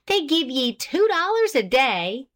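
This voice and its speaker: A thin, shrewish old farm wife, played by a woman, frugal and quick to needle. Her voice sits high and sharp, with a nagging rural drawl that leaps up and down. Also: very animated, exaggerated voice.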